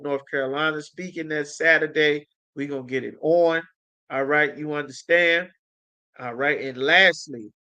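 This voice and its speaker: Male preacher, bright and slightly high, commanding with call-and-response asides. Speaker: teacher. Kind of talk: preaching announcements.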